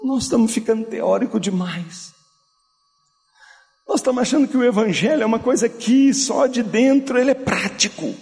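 A male pastor preaching a sermon, swinging from loud, slow declarations down to soft, hushed passages. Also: extremely high pitch, lively intonation, creaky. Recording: long hall reverb.

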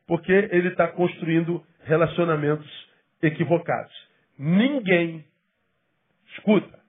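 A male pastor delivers a sermon in a fairly high, husky voice, hammering key phrases before dropping suddenly to soft, low asides. He acts out quoted people in quick bursts. The recording sounds thin, like a phone.

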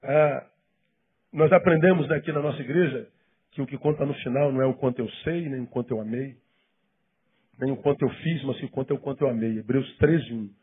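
A Brazilian Portuguese-accented man, a pastor, preaching a sermon with passion, swinging from loud emphasis to hushed tones. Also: medium pitch, fairly quick. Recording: tinny phone-like sound.

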